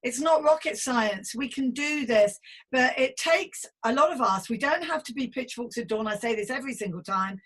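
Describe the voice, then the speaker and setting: A woman's voice: a little high, lively intonation, moderate pace, a bit bright, breathy edge. A woman in her fifties hosting a casual conversational podcast interview in an effusive, chatty, playful way. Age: 50s. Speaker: podcast host.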